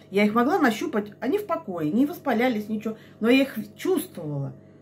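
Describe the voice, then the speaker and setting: There is music behind the voice. The speaker is a woman. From Siberia, Russia. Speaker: customer giving testimonial. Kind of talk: video testimonial. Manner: halting. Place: home room. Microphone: phone near.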